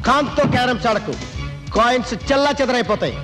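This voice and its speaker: A man's voice: very high-pitched, expressive, quick pace. An actor playing a comic fake rowdy who taunts and mixes Hindi slang into his speech, in a film scene. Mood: mocking. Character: fake loudmouth street rowdy, comic male bully. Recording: film soundtrack with music behind.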